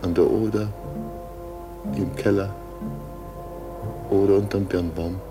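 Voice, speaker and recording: A murdered man's ghost in a radio play. The voice is fairly low and takes its time. He is exquisitely polite and formal, yet mocking and insistent, treating the macabre with dry understatement. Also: steady tone, slow pace, over music. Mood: coaxing, insistent. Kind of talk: German radio drama acting.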